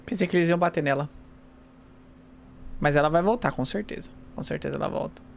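A man's voice: fairly high pitch, fairly quick, vocal fry, slight background noise. A young man with a Brazilian accent giving casual gameplay commentary at a desk microphone. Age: young adult. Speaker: game streamer. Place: indoor room at home. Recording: game ambience behind the voice.

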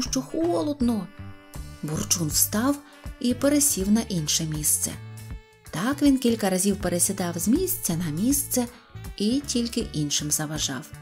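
A woman narrating a children's fairy tale as an audiobook, expressive and lively. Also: mid-range voice. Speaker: storyteller.

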